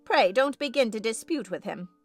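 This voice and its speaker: Woman playing a firm, higher-voiced sensible housekeeper. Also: lively intonation, normal speed, soft background music. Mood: admonishing. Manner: firm, admonishing, soothing. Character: sensible, protective housekeeper, gently scolding a young miss. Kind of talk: audiobook character voice.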